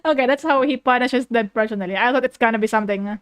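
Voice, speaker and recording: A woman's voice: a little high, rapid-fire, clean tone, no echo. A woman VTuber giving casual, exclamatory reaction commentary with informal swearing, recorded close in a dry room. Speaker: VTuber host.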